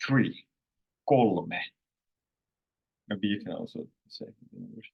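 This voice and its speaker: Slow low-voiced Finnish man teaching. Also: lively intonation, vocal fry, slightly rough, muffled recording. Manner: unhurried, rambling with restarts and self-corrections. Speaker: language course host. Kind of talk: casual online language lesson.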